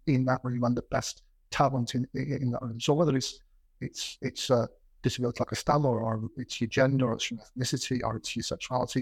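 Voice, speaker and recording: A middle-aged man speaks with a slightly rough, husky voice and a noticeable stammer, repeating words as he goes. He is a plain-spoken executive answering interview questions conversationally. The sound is dry and close, with no real room to it. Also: medium pitch, no echo. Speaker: business executive being interviewed. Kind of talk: reflective conversational interview with anecdotes.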